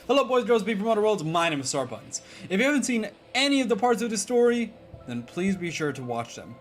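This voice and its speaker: A young man hosting his channel in casual chat, rambling and giggling, swinging from quiet mumbles to loud outbursts. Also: high voice, sing-song, fast talker. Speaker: channel host. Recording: faint music in the background.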